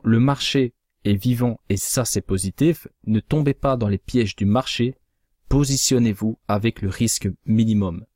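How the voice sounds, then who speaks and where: A man giving a measured, cautionary voice-over that walks through trading charts. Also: fairly low pitch, a little mellow, dry recording, studio quality. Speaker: crypto trading analyst. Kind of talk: scripted chart analysis voice-over.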